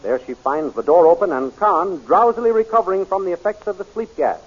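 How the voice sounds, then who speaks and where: A man's voice: high voice, a little fast, soft background music. A man narrating a 1930s radio serial in a formal, dramatic announcer's style. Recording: muffled 1930s radio recording.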